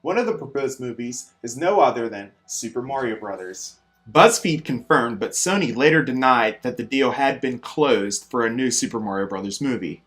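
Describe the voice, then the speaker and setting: A man hosting a scripted weekly video game news show, speaking in an emphatic, informal, hyped-up way with dramatic pauses. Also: medium pitch, animated, fairly bright tone.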